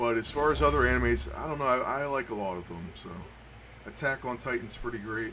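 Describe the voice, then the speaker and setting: A man at medium pitch, very fast, with very wide pitch swings. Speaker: game streamer. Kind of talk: live gaming stream chat. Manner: casual, hesitant with fillers.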